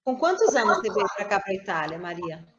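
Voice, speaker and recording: A woman's voice: mid-range voice, very animated, fairly quick, lo-fi sound, over a noisy crowd. A woman hosting a live stream who asks a guest short, friendly follow-up questions. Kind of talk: interviewing a guest.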